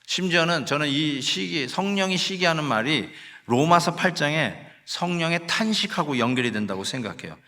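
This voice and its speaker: A man preaches to his congregation in a bright, ringing voice set slightly high. He keeps it conversational, mixing in English phrases and briefly acting out quoted sighs. The sanctuary leaves a long, lingering reverb on every phrase. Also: lively intonation, normal speed, hardly any pauses. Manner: acts out quoted sighs and pleas. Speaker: pastor. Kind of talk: sermon. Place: church sanctuary.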